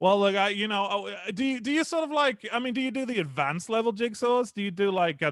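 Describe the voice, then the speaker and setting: Fairly quick and lively in intonation, a man with an English accent speaks with hardly any pauses. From England. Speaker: comedy show host. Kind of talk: comedy crowd work.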